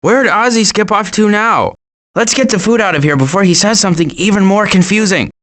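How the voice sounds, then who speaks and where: A man voicing a cautious, exasperated turtle in an animated video game, fretful and given to wry grumbling. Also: high-pitched, brisk. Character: anxious, cautious male cartoon turtle, exasperated worrier.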